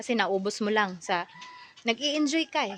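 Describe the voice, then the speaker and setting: A woman with a medium pitch talks at a fairly slow pace, her voice recorded with a dry, close sound and no echo. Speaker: vlogger and backyard pig raiser. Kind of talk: casual vlog talk. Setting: outdoors beside pig pen.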